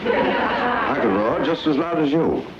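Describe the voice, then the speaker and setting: An actor playing a mild, fussy, proper banker in a 1950s sitcom. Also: male voice, a little high, expressive, slow, over a noisy crowd, heavy background noise. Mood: indignant. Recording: muffled vintage TV soundtrack, music behind.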